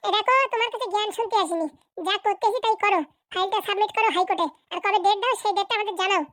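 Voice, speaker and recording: A woman's voice: very high voice, steady tone, very fast, a bit bright, dry recording. A woman voicing a bossy, impatient female politician in a comedy cartoon, curt and insistent. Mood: scolding.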